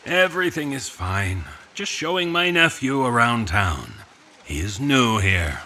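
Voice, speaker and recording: A man playing a sly, controlling gentleman shopkeeper in an audio drama, with a husky voice and formal, menacing politeness. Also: medium pitch, very animated, a little hiss or hum, heavily acted. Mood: falsely pleasant. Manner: formal, smooth-talking, deliberate wording. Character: sly, controlling, menacing fancy gentleman puppet-shop owner. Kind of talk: scripted audio drama dialogue.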